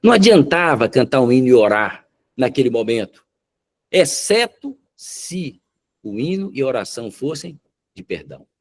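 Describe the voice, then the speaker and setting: A male pastor telling a story in a sermon, dramatic and slowing down for emphasis. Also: mid-range voice, very animated.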